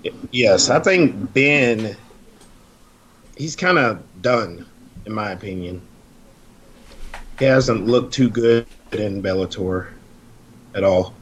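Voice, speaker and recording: A man's voice: on the low side, expressive, takes it slowly, long pauses, slight background noise. A man talking as a podcast guest in a laid-back, blunt, joking way. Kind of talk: casual chat.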